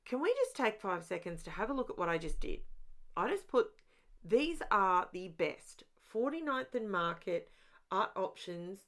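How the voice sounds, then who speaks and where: A woman's voice: medium pitch, sing-song, measured pace, fairly bright tone. A middle-aged woman, chatting through a craft voiceover, rambling and talking straight to her viewers. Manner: rambling and self-aware, talks straight to viewers. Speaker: crafting channel host. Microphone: voiceover mic.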